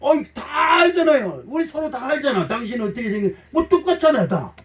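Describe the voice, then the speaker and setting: A man's voice: very high-pitched, sing-song, a little fast, fairly bright tone, far from the mic. A middle-aged man preaching a sermon as pastor, folksy and emotional, acting out little dialogues and making blunt jokes to the congregation. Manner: blunt, joking asides to the congregation. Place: church sanctuary.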